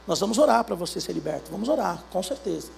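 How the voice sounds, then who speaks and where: A Brazilian pastor preaching a sermon, acting out little dialogues between God and believers in an animated way. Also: male voice, high voice, quick pace, vocal fry, a little hiss or hum. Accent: Brazilian Portuguese.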